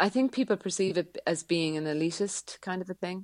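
A woman in an Irish accent with lively intonation, in a dry, close sound with no echo and a quiet background. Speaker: soprano opera singer. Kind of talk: casual radio interview.

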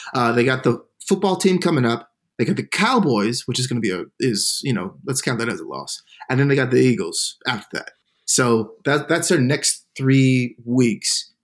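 With an American accent and an ordinary speaking voice, a man of medium pitch speaks at a moderate pace with lively intonation. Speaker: podcast co-host. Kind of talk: casual chat.

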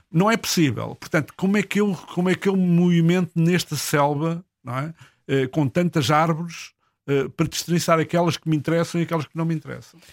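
In a very clean recording with a silent background and a dry, close sound with no echo, a man speaks at a fairly quick pace with a high pitch and fairly even intonation. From Portugal, Trás-os-Montes (Vila Flor, Bragança). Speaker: film producer. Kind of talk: radio interview. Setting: radio studio.

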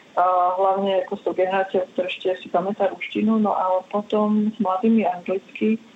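At a moderate pace, a woman of medium pitch talks in a monotone, flat intonation over noticeable background noise. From Slovakia, Prešov. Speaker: traveller living abroad. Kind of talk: interview.

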